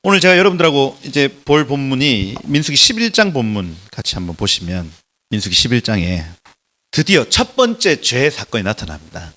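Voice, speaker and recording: A man preaching a lecture-style sermon in a church, emphatic and animated, swinging between loud exclamations and soft drops. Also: mid-range voice. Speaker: pastor giving a Bible lecture.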